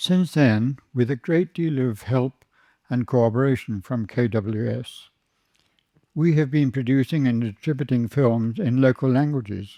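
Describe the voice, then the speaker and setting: With a dark, mellow tone, a man speaks at a medium pitch with ordinary pitch variation, his voice dry and close with no echo on a very clean recording over a silent background. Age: 80s+. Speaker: wildlife filmmaker. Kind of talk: formal speech. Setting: stage with audience. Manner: formal.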